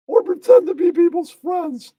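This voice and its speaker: A man voicing a high-pitched, giggly puppet heckler who gleefully taunts and insults in a puppet show. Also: dry recording, lo-fi sound.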